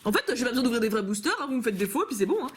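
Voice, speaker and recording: Recorded on a camcorder at home, this YouTuber is opening fan mail, chatting playfully over cards her fans made. She speaks at a racing clip with a fairly high voice that swings widely in pitch, gushing and laughing a lot, with slight background noise.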